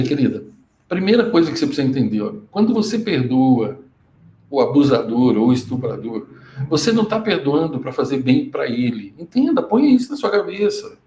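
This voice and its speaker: A man, coaching students through a live Q&A, emphatic and often checking that they understand. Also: warm tone. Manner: emphatic, keeps checking "understand?" with sudden upward pitch jumps. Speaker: emotional-control coach answering students. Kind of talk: live Q&A teaching. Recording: roomy echo.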